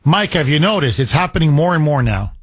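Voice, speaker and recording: A man's voice: a little high, expressive, brisk, no echo, clean studio sound. A man hosting a talk radio show, taking callers and delivering emphatic commentary with repeated words.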